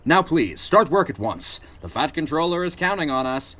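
A man voicing a stern, brisk railway official giving orders in a children's storybook. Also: a little high, sing-song, a bit bright, voice pushed up. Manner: commanding.

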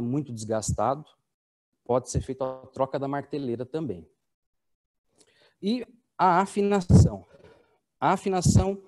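Mellow-voiced Brazilian man explaining pianos. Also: a little high. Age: 40s. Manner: explanatory, frequent tag questions. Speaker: piano technician. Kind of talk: hands-on workshop explanation.

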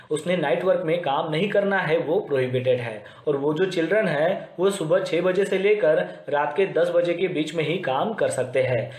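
A man's voice: fairly high pitch, darkish tone. A man with an Indian accent giving a methodical, explanatory lecture. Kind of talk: explanatory lecture mixing Hindi and English terms. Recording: roomy, echoing voice recording.

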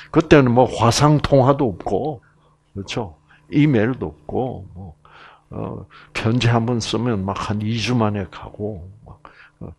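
A man's voice: on the low side, darkish tone. A middle-aged man with a Gyeongsang Korean accent, giving a Bible lecture in a chatty storytelling way with many fillers and asides. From Gyeongsang province, Korea. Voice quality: gravelly and husky. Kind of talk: relaxed anecdotal Bible lecture.

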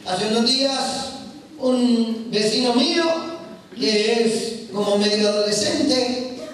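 A man's voice: extremely high pitch, takes it slowly, a bit bright, a little hiss or hum. A man with a Colombian accent, a priest giving an emphatic, storytelling charismatic sermon in a large hall with an audience. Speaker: Catholic priest, preacher. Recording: echoey hall from far off, crowd.

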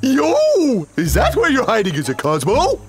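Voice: medium pitch, wildly swooping pitch, unhurried. An actor voicing a lazy, bossy, boastful fat male toad in a cartoon, pompous and demanding. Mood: angry. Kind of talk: animated cartoon acting. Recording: music behind the voice.

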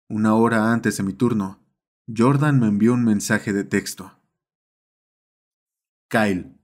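A man reading scripted first-person horror narration in the role of an emergency dispatcher. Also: lowish voice. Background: dark ambient music.

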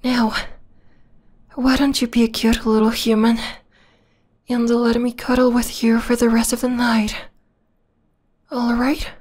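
Slow, whispery obsessive vampire girl played by a woman. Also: fairly high pitch, little pitch movement. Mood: tender, cuddly. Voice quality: soft, breathy, often whispering. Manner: slow, cooing, intimate, possessive. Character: obsessive, possessive young female vampire, sweetly menacing lover. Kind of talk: ASMR roleplay acting.

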